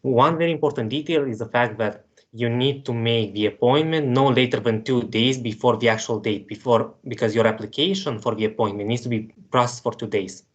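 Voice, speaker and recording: A man's voice: medium pitch, fairly quick. A man in his twenties from Moldova, steadily reading a prepared presentation with practical tips. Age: 20s. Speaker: student presenter. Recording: dull lo-fi sound.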